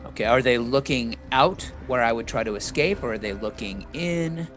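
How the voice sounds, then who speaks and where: A man's voice: medium pitch, normal speed, fairly bright tone, faint music behind. A man playing a tabletop game, talking hesitantly with lots of fillers as he describes his character. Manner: hesitant, many fillers and restarts. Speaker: player. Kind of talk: tabletop role-play chat.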